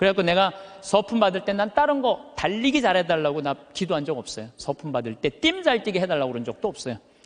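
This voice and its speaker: A resonant, high-pitched man's voice at a very fast pace, very wide pitch swings, noticeable background noise. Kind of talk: clear, pleasant speaking voice.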